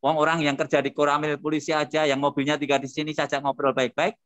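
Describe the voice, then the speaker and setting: An older man speaking at a seminar over a video call, casual talk with lively storytelling. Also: on the high side, fast talker, smooth, no echo. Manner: lively storytelling with acted quotes.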